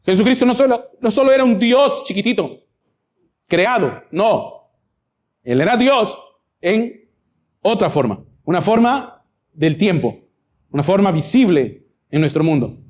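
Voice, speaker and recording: A man's voice: high-pitched, lively intonation, unhurried, long pauses, a little mellow. A man preaching a Bible-teaching sermon, emphatic and full of rhetorical questions.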